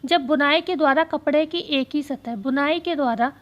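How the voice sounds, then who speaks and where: High-pitched lady teacher, slow, repeats stuff for notes. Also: muffled recording. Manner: repeats key phrases slowly for dictation. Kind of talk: exam-prep lesson.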